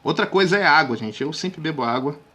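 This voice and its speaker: A man teaching communication skills in a casual video lesson, talking straight to viewers with frequent check-ins and sudden drops to a hushed voice. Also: on the high side, fairly quick. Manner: lively, drops suddenly to near-whispers to show technique; chatty, addresses viewers directly with frequent "tá?". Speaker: communication coach.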